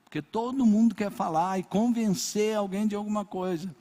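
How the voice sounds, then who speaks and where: An older man with a Brazilian accent preaching a sermon, telling personal stories in a lively way and acting out little scenes. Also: high-pitched, moderate pace, big-room sound. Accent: Brazilian Portuguese. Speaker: pastor.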